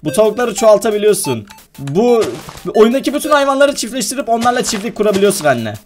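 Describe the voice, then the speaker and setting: This gaming YouTuber is an excitable young man making a casual vlog, talking quickly in a high voice that swings widely up and down. He laughs a lot and coaches patiently while faint music plays underneath.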